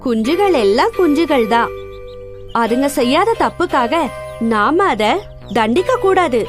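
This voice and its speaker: Calm wise mama hen judge, measured cartoon voice, music in back. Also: female voice, high voice. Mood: calm admonishing. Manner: measured, admonishing. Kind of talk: children's cartoon acting.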